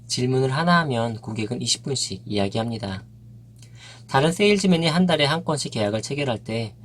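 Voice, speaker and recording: A man narrating a nonfiction book in an even, measured reading voice. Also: medium pitch. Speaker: audiobook narrator.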